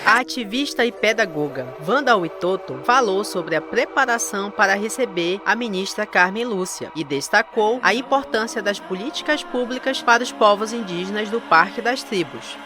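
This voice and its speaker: A woman's voice: mid-range voice, animated. Formal Brazilian woman news voice-over. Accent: Brazilian Portuguese. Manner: measured, formal. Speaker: news reporter. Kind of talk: scripted news narration. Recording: voice-over over music.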